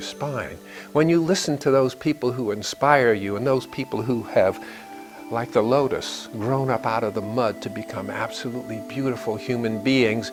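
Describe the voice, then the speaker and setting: With music in the background, a man with an American accent talks at a moderate pace and a medium pitch. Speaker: physician and guided imagery teacher. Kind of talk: autobiographical talk to camera.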